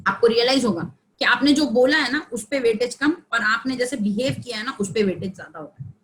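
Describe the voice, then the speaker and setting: A woman's voice: on the high side, brisk, fairly bright tone, a little hiss or hum, rough recording. A woman trainer giving an online training session over a headset, explaining in a conversational way, mixing in English and asking the audience questions. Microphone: headphones on a video call.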